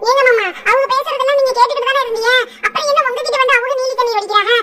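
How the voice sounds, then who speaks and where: A voice actor doing a bold, quick-tongued young daughter-in-law. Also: very high-pitched, fairly even intonation, pushed and bright. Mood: retorting. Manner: defiant back-talk with rural speech. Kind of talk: cartoon voice acting.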